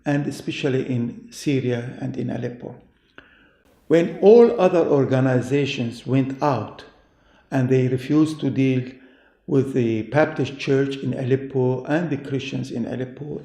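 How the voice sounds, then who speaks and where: Echoey, gravelly Middle Eastern-accented man. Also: medium pitch, dark tone. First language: not English. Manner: halting, deliberate phrasing. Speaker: pastor and doctor being interviewed. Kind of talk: interview answers, personal testimony. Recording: echoey room.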